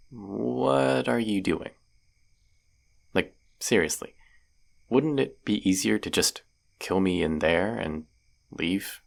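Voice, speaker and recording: Man acting as injured vampire hunter, deep register, heavy vocal fry, wry grumbling banter, audio drama. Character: injured, stubborn male vampire hunter, sardonic and teasing. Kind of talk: scripted roleplay audio drama.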